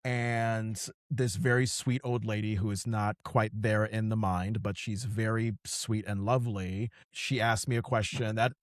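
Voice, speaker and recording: A man hosting a podcast, from Connecticut, telling stories in lively, casual conversation with frequent restarts. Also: on the low side, measured pace, few pauses, no echo, clean studio sound. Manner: animated storytelling, frequent restarts. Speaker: podcast host.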